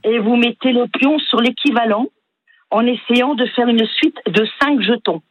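An older woman from northern France with a northern French accent, calling in to a radio show, friendly and hesitant with many pauses. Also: fairly high pitch, slightly rough, dry recording, poor audio. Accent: northern French (Flemish area). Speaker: caller.

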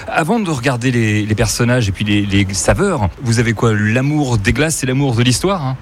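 A man's voice: mid-range voice, animated, moderate pace, slight background noise. A man reporting for radio from inside an ice cream shop, chatty and enthusiastic as he interviews the owner.

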